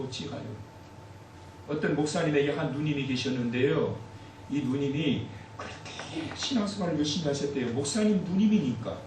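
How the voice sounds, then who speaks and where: A man's voice: a little high, distant mic. A man preaching a Sunday sermon as pastor, acting out anguished prayers and quoted voices with swelling intensity. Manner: dramatic, acts out pleading prayers with rising intensity. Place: church sanctuary. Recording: echoey church hall from afar, faint hiss.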